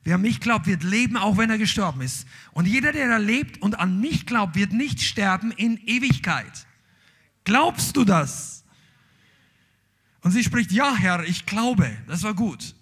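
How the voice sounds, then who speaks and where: A man's voice: sits high, animated, normal speed, hardly any pauses, breathy edge. A man preaching a sermon, reading scripture aloud and then driving his point home with emphatic, rising outbursts. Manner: emphatic, rising to shouts on key lines.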